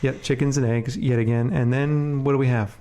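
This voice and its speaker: A man with a cold co-hosts a casual podcast, his voice congested and sniffly. His delivery is relaxed and chatty, full of little fillers as he runs through the show. His voice sits at an ordinary middle pitch. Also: fairly quick. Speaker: podcast co-host.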